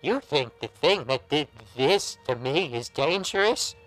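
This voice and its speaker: An actor playing a monstrous transformed old pal in a noir horror audio drama, taunting and warning in drawn-out, insinuating gangster slang. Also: male voice, a little high, expressive, fairly bright tone, faint music behind. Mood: taunting, ominous.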